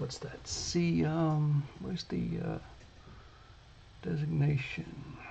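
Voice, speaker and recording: Speech comes at a very slow pace with long, frequent pauses amid noticeable background noise. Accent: American. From New York. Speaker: electronics maker streamer. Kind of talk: live stream tutorial. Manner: halting, thinking aloud. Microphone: webcam built-in mic, not very good.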